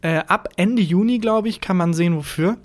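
A young German man chatting casually as a podcast co-host, telling stories with lively asides and mimicked voices. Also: sits high, moderate pace. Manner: animated storyteller, hums tunes and mimics voices. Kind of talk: casual chat.

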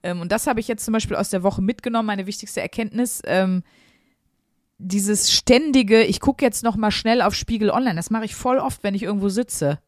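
In a dry, studio-quality recording, a woman with a mid-range voice chats at a moderate pace as a podcast co-host. Her casual talk is earnest and chatty as she works through her thoughts, using lots of filler words.

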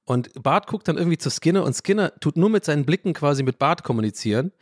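A man hosting a casual solo podcast, talking in a rambling, animated way, restarting his sentences and often breaking into laughter. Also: on the high side, quick pace, no room sound, clean studio sound. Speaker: podcast host.

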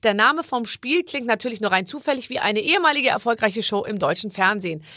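A woman's voice: on the high side, expressive, fast talker, bright, forceful tone, dry recording, clean studio sound. A woman host with a slight Swabian accent, reading out game prompts and teasing her guest playfully. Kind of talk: game show hosting and casual chat.

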